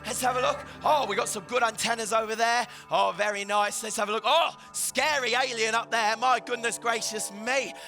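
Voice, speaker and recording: High, excitable male stage presenter. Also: moderate pace, hardly any pauses. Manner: excitable, theatrical, calls for cheers. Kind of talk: live children's science show. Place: live event hall with an audience. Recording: music playing behind.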